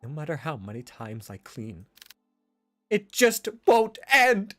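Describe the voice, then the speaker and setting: Man acting frightened housekeeper woman, urgent pleading, hushed warnings, swooping pitch, visual novel drama, music behind. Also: wildly swooping pitch, slow, dry recording, full character voice. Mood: distressed. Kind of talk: visual novel character reading.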